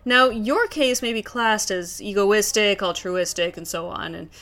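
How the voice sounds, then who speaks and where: A woman's voice: medium pitch, measured pace, fairly bright tone. A woman playing a pompous, detached, over-intellectual doctor who lectures in a comedy sketch. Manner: pompous, academic.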